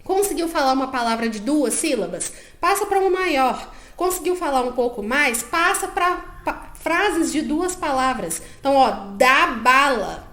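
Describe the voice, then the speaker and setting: A woman psychologist, giving step-by-step advice to parents and often checking that the listener is following. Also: very high voice. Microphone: own microphone. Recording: echoey room.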